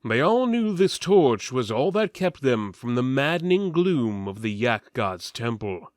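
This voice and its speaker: A man's voice: mid-range voice, big pitch swings, unhurried, dry recording, studio quality. Theatrical male fantasy narrator, swooping delivery. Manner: theatrical, mock-solemn. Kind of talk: dramatic reading of mock-epic fantasy.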